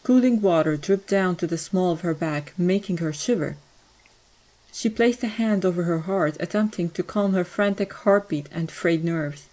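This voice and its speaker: A woman's voice: lowish voice, normal speed, warm tone, low-quality recording. A woman reading scripted story narration as the narrator of an audio drama.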